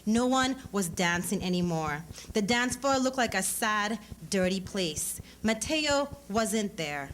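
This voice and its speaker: Female reader, mid pitch, dramatic literary delivery, live event with audible background noise. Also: expressive, slow, hardly any pauses. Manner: acts out dialogue in character voices. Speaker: author reading a story. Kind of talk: dramatic literary reading of fiction. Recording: clearly noisy live event recording.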